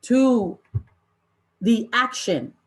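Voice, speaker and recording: A woman presenting an interactive online training session in an impassioned, deliberate way, with emphatic repetition and rhetorical questions. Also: on the high side, lively intonation. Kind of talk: impassioned interactive workshop talk to an online audience.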